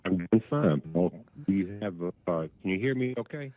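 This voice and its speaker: A man's voice: low voice, lively intonation, normal speed, no echo, phone-quality sound. A man speaking as a guest over an internet call from his studio, his voice choppy and garbled as the connection keeps cutting in and out. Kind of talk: casual talk on a live call. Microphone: internet video call from his studio.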